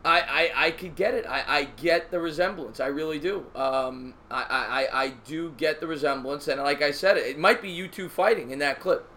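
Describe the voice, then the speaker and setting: A man's voice: on the high side, moderate pace, few pauses, bright, forceful tone, slight background noise. A man hosting a live sports call-in show, stammering and repeating words before he finishes a thought. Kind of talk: casual call-in chat.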